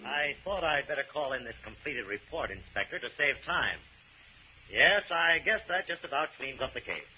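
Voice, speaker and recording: An actor playing a breezy, confident detective in a 1940s radio crime drama. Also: male voice, medium pitch, moderate pace, soft background music, natural voice. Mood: teasing. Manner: breezy, animated, explanatory. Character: breezy, confident male detective explaining cases. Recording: muffled, hissy old radio recording.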